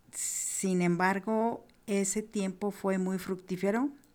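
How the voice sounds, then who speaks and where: A woman's medium-pitched voice with ordinary pitch variation, on a very clean recording with a silent background. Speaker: podcast host, preschool teacher and educational advisor. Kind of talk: casual chat. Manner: animated.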